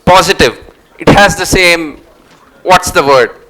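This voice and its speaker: A man's voice: on the high side, takes it slowly, sharp tone, low-quality recording. A man reading a sarcastic, stubbornly rational character in a staged play, with emphatic delivery. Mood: insistent.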